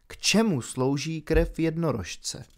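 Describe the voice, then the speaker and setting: A man voicing a young male centaur in an audiobook, speaking in a measured, earnest way. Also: a little high, lively intonation, darkish tone, pitched above the performer's own voice, lightly acted. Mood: grave. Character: young male centaur, calm grave protector. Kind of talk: audiobook character voice.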